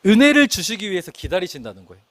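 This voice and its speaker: A man's voice: sits high, sing-song, rapid-fire, a bit bright, no room sound. A middle-aged male pastor preaching a sermon, telling a story and asking the congregation questions. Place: church.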